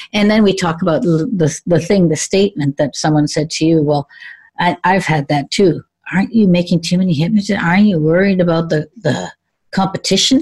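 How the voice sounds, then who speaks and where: The woman's voice is somewhat breathy and fairly low in pitch, with ordinary pitch variation. She speaks at a fairly quick pace with very even loudness in a dry, close sound with no echo. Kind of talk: radio interview hosting. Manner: warm, chatty, upbeat.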